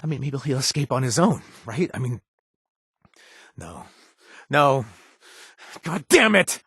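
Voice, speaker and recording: A husky ex-raider companion. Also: male voice, medium pitch, very animated, takes it slowly, fairly bright tone, no echo, clean studio sound, heavily acted. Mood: panicked. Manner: wry, punning, self-deprecating. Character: male ex-raider wasteland companion, remorseful, wry. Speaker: game companion character. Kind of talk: video game voice acting. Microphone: studio mic, dry booth.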